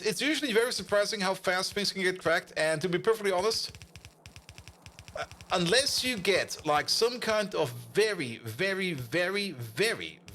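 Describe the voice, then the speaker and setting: A man live-streaming a game and chatting casually with viewers, rambling excitably and repeating his words. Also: high voice, slight background noise. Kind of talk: casual chat with viewers while gaming.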